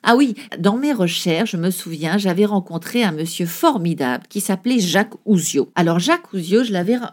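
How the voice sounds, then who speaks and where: A woman's voice: mid-range voice, darkish tone. Woman telling vivid stories as a guest. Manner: vivid, exclamatory storyteller. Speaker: author, interview guest. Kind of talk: radio interview storytelling.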